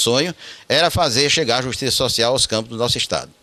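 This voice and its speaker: A man in a northeastern Brazilian accent speaks very fast in a bright, sharp tone, his pitch varying in an ordinary way. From Rio Grande do Norte, Brazil. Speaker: former union leader and state deputy. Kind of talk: interview answer.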